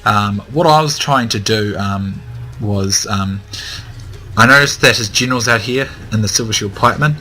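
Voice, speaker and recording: Bright-voiced man narrating a game. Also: lowish voice, moderate pace, slight background noise. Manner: hesitant, many ums and restarts. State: slightly hoarse, dry throat, coughing. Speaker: gaming commentator. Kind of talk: casual gameplay commentary.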